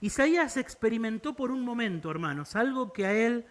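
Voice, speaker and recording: High-voiced earnest Argentine preacher. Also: male voice, lively intonation, moderate pace, fairly bright tone. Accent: Argentine Spanish. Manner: earnest, pleading preaching with rhetorical "¿sí?" checks. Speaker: pastor. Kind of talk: sermon.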